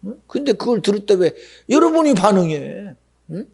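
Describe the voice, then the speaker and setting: A pastor delivering a sermon in a lively, conversational way, often asking his congregation questions. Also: high voice, moderate pace, creaky, husky. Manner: animated, conversational preaching with rhetorical questions. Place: church sanctuary.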